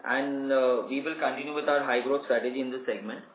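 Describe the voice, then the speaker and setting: A man with an Indian accent answering analysts as a company executive, hesitant and measured. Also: mid-range voice, fairly even intonation. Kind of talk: earnings call answers. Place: conference call, roomy space. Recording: echoey, hissy phone line.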